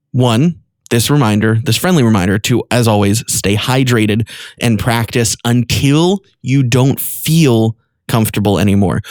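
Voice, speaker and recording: A man's voice: medium pitch, no room sound. Man teaching vocal technique, very dry recording. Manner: informal, explanatory. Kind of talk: instructional talk with short vocal demonstrations.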